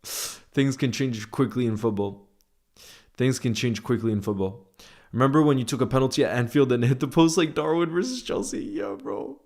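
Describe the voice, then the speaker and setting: A man's voice: mid-range voice, animated, normal speed, a little mellow. A man hosting a casual football livestream, reading out viewer comments and answering them informally, often repeating phrases for emphasis. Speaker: livestream host, football fan streamer.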